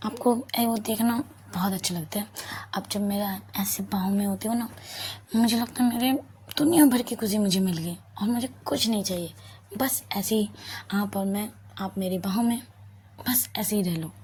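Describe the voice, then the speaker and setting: A woman voicing a tender, devoted young woman in love, speaking in a soft, hushed murmur. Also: mid-range voice, moderate pace, a little hiss or hum, close to an everyday voice.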